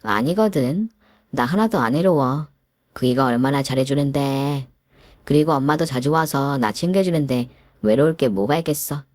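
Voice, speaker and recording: Woman narrator doing a cheerful young daughter; low voice, dry close recording. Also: normal speed, no echo. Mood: upbeat. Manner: bright, reassuring, upbeat.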